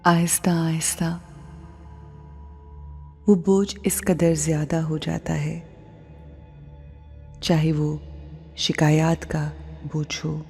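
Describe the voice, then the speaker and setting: A woman with a South Asian accent leads a guided meditation in a hushed, soothing, breathy voice, leaving long pauses. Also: sits low, level tone. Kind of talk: slow guided meditation narration. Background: faint music.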